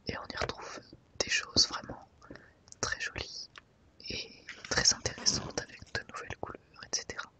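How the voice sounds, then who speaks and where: Whispered ASMR narrator. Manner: soft, unhurried guided browsing through a book. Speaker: ASMR video host.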